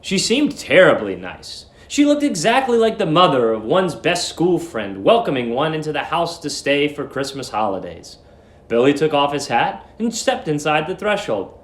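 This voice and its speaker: High-pitched, theatrical male storyteller in echoey room. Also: very animated. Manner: theatrical, deliberate emphasis. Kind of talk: dramatic storybook narration.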